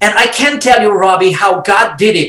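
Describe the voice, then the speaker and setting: High-pitched man in a Romanian accent, bright and sharp in tone, enthusiastic, with ordinary pitch variation. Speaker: immigration lawyer and former pastor. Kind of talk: personal testimony in interview.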